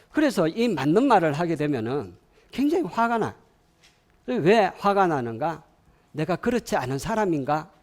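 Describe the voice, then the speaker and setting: A man with a Gyeongsang accent lectures parents with real animation. His fairly high voice moves up and down a lot. He keeps asking the audience questions and has them repeat lines after him. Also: darkish tone.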